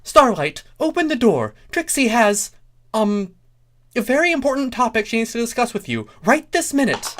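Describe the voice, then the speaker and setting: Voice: medium pitch, very animated, moderate pace, voice pushed up, lightly acted. A performer voicing a brash, melodramatic female pony who talks in a theatrical, self-important way. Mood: urgent.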